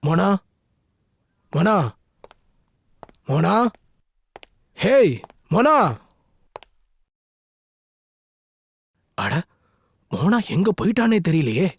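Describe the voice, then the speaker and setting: A sarcastic senior police officer in a dubbed TV crime series. His voice is husky and roams widely up and down. He needles and pressures a suspect. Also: high voice, very animated, slow, pauses often, dry recording, heavily acted. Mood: sly. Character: sly senior male police officer, interrogating.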